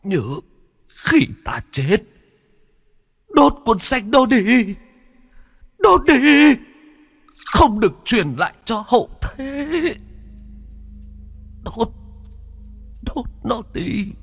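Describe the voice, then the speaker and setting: A man's voice: lowish voice, very animated, takes it slowly, long pauses, husky, long reverb tail, faint music behind, heavily acted. A man voicing a tormented, dying old father whose strained words rise into anguished cries. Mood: desperate. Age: older. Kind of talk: dramatic storytelling.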